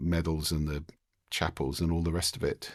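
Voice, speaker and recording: Speaking with a British accent, a man uses a very deep, low pitch with ordinary pitch variation and vocal fry. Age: 60s. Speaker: speaking expert. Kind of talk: interview.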